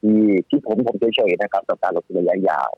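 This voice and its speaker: A man talks through stock picks quickly, with restarts and fillers. His voice sits low and dry. It comes through a narrow, phone-like line with faint music under it. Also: no echo. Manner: animated, speaks fast with many restarts and fillers. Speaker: stock market guest analyst. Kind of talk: casual financial talk.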